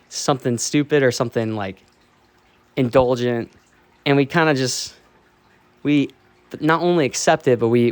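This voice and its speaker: A man's voice: medium pitch, no echo. Candid young man rambling into a phone. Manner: candid and rambling, heavy swearing and fillers. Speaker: streamer. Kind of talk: casual rambling monologue. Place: dark basement. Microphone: phone held while walking.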